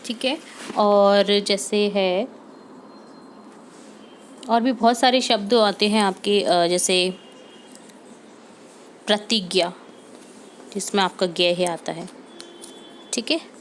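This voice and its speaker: A woman's voice: medium pitch, slow, pauses often, a little hiss or hum. A woman teacher going through a homework lesson for young pupils, patiently repeating example words and checking in with the class.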